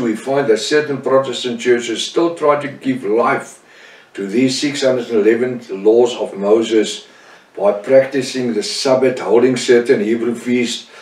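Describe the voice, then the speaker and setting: Afrikaans-accented man, slow and roomy. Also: lowish voice, a little mellow. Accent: South African. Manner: repeats and corrects himself, emphatic. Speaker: Bible teacher. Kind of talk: Bible study teaching. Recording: roomy sound from a distant mic.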